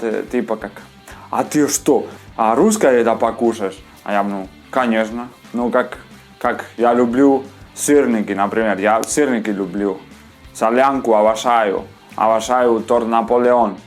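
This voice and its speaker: Young guy w a foreign accent, chatty vlog, stops n restarts a lot, middle pitch, faint guitar behind. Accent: foreign, non-native Russian. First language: not Russian. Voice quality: halting, many restarts and fillers. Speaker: vlogger. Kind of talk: casual chat to camera.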